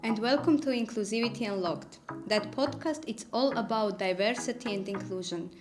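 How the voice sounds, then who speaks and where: A woman's voice: mid-range voice, over music. Young woman co-hosting. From Armenia. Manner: halting, simple phrasing with fillers. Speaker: podcast co-host. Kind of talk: casual podcast chat. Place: small studio.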